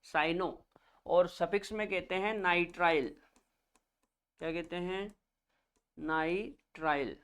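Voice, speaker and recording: A man's voice: high-pitched, fairly even intonation, unhurried, pauses often, a bit bright, smooth. A male chemistry teacher giving a classroom lecture, naming each term, then asking students to repeat it back, calling them children.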